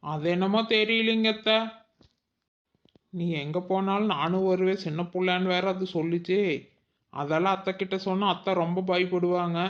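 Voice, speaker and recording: Guy doing a sassy young wife, teasing and high, muffled cartoon audio. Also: close to an everyday voice. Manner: teasing, cheeky. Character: sharp-tongued young village wife. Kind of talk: cartoon voice acting.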